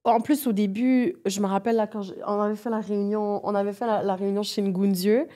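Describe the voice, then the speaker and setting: A woman talks as a guest in a relaxed interview. Her voice is soft-edged and mellow, and she speaks informally, slipping English music terms into her storytelling. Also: mid-range voice, fairly quick. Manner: informal, mixes English music slang into French. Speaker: guest, music project producer.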